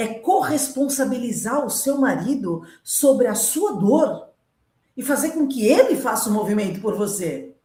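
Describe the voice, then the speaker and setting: Audible room echo follows a woman speaking at a fairly slow pace in a high pitch with lively intonation. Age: 60s. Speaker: women's mentor. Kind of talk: casual podcast chat. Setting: live-streamed podcast.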